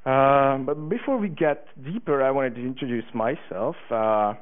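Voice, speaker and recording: An eighteen-year-old Hungarian man gives a conference talk in a conference room, speaking at medium pitch and a moderate pace. He sounds eager, with lots of fillers and restarts. The recording is tinny, like a phone.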